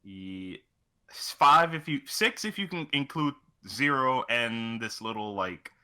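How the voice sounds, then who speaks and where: A man's voice: medium pitch, animated, slow, sharp tone, smooth. A young man chatting casually and unscripted as a gaming co-host, with a crude, profane streak.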